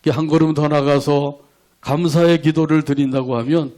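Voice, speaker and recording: Korean pastor preaching with rhetorical questions. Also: male voice, a little high, little pitch movement, fairly quick, mellow. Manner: leads congregation in call-and-response verse reading; asks rhetorical questions, acts out quoted prayers. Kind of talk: sermon.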